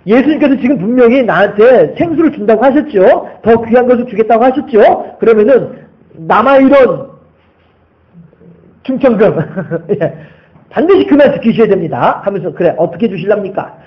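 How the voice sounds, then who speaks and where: Male pastor, sermon, very high voice, emphatic rhetorical questions, dull lo-fi church recording. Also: lively intonation, moderate pace. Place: church service.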